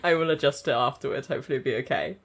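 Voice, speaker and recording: A woman giving excited, gushing reaction commentary as she watches an anime episode, speaking into her own microphone. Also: a bass voice, racing. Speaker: anime reaction channel host. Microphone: own desk microphone.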